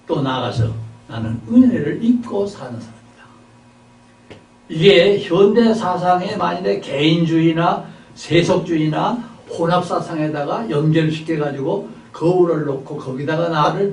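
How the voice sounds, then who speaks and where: A man delivers a sermon in a chapel service, asking rhetorical questions and moving between forceful and hushed lines. His voice sits a little high. He is picked up from some distance in a reverberant hall. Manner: rhetorical questions, swings between loud and soft. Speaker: preacher. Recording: echoey hall, mic at a distance.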